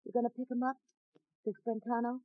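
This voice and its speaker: Tearful woman mourning her man, an actress, high voice, muffled old recording, dead dry. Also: flat delivery, a little fast, no room sound, lightly acted. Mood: sorrowful. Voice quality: soft, tearful. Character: sorrowful woman, dead crook's sweetheart. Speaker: grieving girlfriend of a murdered man. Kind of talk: 1940s radio acting.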